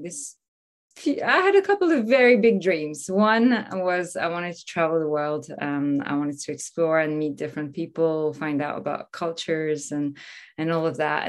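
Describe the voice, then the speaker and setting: French woman in her 30s, low voice, talks freely with lots of ums. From France. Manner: enthusiastic, storytelling, many fillers. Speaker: guest. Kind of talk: casual interview talk.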